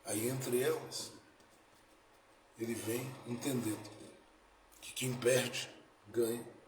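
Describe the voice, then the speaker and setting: A man preaching a sermon as pastor, building to emphatic peaks and then dropping soft. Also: mid-range voice, steady tone, slow pace, noisy background. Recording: echoey room, faint ambience.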